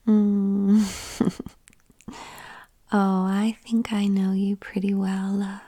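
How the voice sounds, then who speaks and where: A woman whispering softly and tenderly into a close mic in an intimate ASMR roleplay. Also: medium pitch, flat delivery, a little slow. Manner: tender, soothing.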